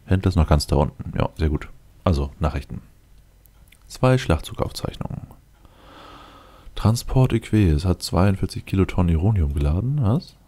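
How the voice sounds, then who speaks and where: A man's voice: sits low, animated, normal speed, long pauses, mellow, breathy edge. A man giving casual, improvised game commentary, thinking aloud and muttering to himself in a matter-of-fact way. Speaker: let's play video host.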